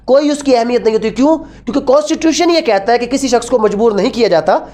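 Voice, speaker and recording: Female lecturer, Pakistani accent, higher-pitched voice; teaches by question and answer, repeating key phrases for emphasis. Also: fast, mellow. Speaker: law lecturer. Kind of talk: explanatory law lecture, code-switching with English.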